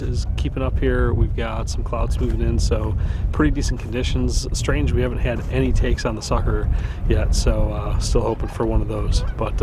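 A man in his thirties hosting a casual fishing vlog, talking in a relaxed, rambling way with lots of "uh"s. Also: mid-range voice, very noisy. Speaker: fishing channel host. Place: open boat on a windy lake, outdoors.

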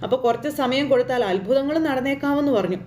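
A woman's voice: sits high, fast talker, darkish tone, reverberant, slight background noise. A woman chattily retelling a TV serial episode, rambling with fillers and tag words. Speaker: serial recap narrator.

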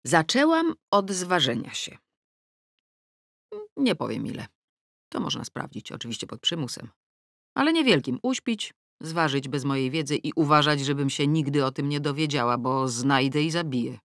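A middle-aged woman reading a first-person novel aloud, wry and ironic, with sudden rises in pitch on the punchlines. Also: animated, normal speed, no room sound, studio quality. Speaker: audiobook narrator. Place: dry recording booth. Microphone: close studio mic.

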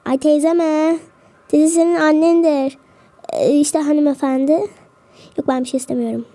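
A woman's voice: high-pitched, fairly even intonation, fairly quick, warm tone, no room sound. A woman voicing a touchy elderly woman passenger who takes offense easily. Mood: huffy. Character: touchy old auntie passenger.

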